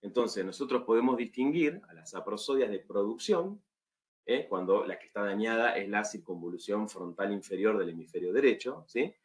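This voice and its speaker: A man's voice: fairly low pitch, animated, moderate pace. A man with an Argentine Spanish accent giving a recorded online lecture to medical students, often checking in with tag questions.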